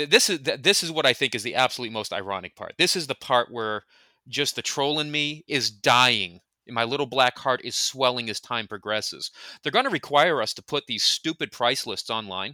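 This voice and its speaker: With an American accent, a man speaks at a medium pitch and moderate pace, with ordinary pitch variation and a bright, sharp tone. The recording is very clean with a silent background and a dry, close sound with no echo. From Massachusetts (Lowell, Methuen, Lawrence). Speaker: funeral service professor. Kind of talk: casual expert commentary.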